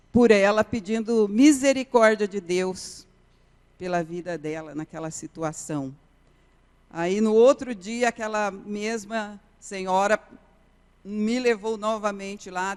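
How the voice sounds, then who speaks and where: A woman missionary preacher gives an earnest testimony during a sermon in a church sanctuary, often repeating key phrases. Her voice is medium-pitched, darkish, and clean, and the church hall is reverberant.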